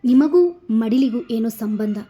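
Brief: woman reading a feisty, pouting young woman in a storybook, fairly high and mellow. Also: unhurried. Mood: pouty. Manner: pouting, lively. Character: spirited young woman, pouty and affectionate. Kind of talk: storybook narration.

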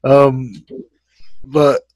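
A man with an ordinary mid-pitched voice states blunt opinions in casual podcast chat, often trailing off quietly at the ends of his phrases. His desk mic sounds dry and close, with no room sound. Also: little pitch movement, drawn-out words, no room sound, rough recording. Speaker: podcast co-host. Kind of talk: casual film review chat. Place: home room. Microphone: desk mic on video call.

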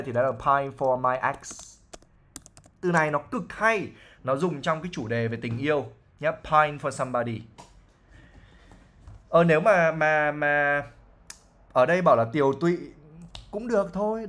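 A man's voice: on the high side, a bit bright. A man, an English teacher patiently explaining a novel line by line, with fillers and frequent checks for understanding.

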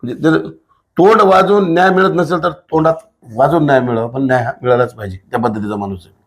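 A male political activist, a guest in a casual interview, answers bluntly and emphatically, leaning on rhetorical questions. His voice is a little high and he talks fast.

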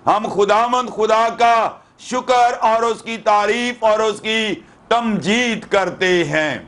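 A man's voice: high voice, slow pace, fairly bright tone. A middle-aged male pastor, preaching fervently with repeated hallelujahs, on a headset mic indoors. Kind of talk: sermon. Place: indoor room with curtains.

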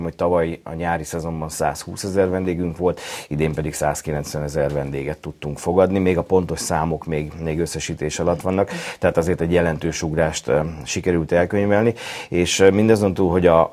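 A man's voice: deep voice, darkish tone. A man running a spa company answers interview questions, hesitant, with many fillers and restarts.

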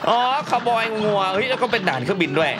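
A young man doing sarcastic, excitable gameplay commentary with mock boasting and swearing, his mouth sore after wisdom tooth surgery. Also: high-pitched, fast talker. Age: young adult. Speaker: gaming YouTuber. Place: small room indoors at a gaming desk. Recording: loud game music behind voice. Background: loud game music.

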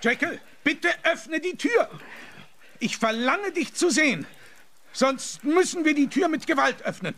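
An actor playing an earnest, commanding gentleman, worried for his friend, speaking formally and gravely in a radio play. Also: very high voice, animated, unhurried, exaggerated voice. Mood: urgent, demanding.

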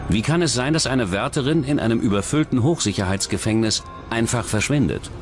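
A man's voice: medium pitch, expressive, brisk, over music. A man reading scripted narration for a true-crime documentary.

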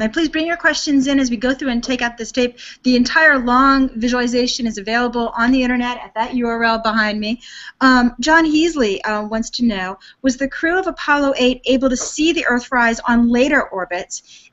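A woman's voice: on the high side, a little fast, fairly bright tone. Woman moderator reading viewer questions. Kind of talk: moderating a live online Q&A. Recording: slightly muffled web broadcast.

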